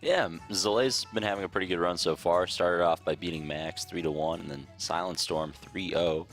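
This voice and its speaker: Low gravelly male esports analyst. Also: moderate pace, faint music behind. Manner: relaxed, hesitant, many fillers. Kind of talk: esports desk commentary.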